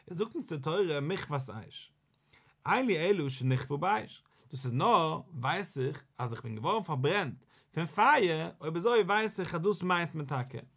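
A man, a rabbi, teaching a Talmud lesson in an animated, questioning sing-song that rises and falls. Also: a little high, moderate pace.

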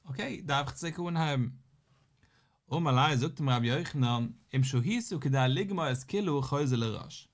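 A man's voice: mid-range voice, normal speed. A man, a rabbi, giving a daily Talmud lesson, posing questions and answering them in a study singsong.

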